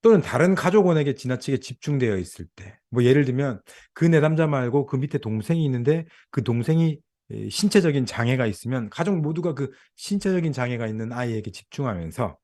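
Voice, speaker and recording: Animated middle-aged Korean man lecturing. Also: medium pitch, brisk, hardly any pauses. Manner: conversational, asks audience questions. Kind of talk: lecture to counselors.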